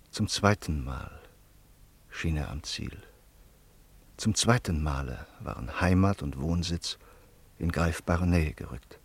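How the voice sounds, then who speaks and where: A man acting as the grave, measured storyteller of a German radio drama, reading scripted narration in a husky voice. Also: low-pitched, dry recording, heavily acted.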